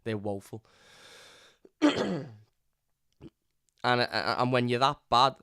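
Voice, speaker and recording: A hoarse man, hosting a live fan review and ranting bluntly. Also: mid-range voice, lively intonation, slow, sharp tone, no echo, clean studio sound. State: hoarse from lost voice. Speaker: fan channel host. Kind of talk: live stream match review.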